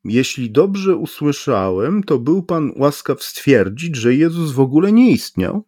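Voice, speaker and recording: A man reading an audiobook, voicing an overly courteous foreign male stranger with a low voice that turns shrill, speaking slowly with a foreign accent. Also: very animated, darkish tone, slightly rough, no echo, studio quality, heavily acted. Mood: polite, inquisitive. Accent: foreign accent in speech. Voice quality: low voice, turning shrill with curiosity. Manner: slow, overly polite, theatrical exclamations.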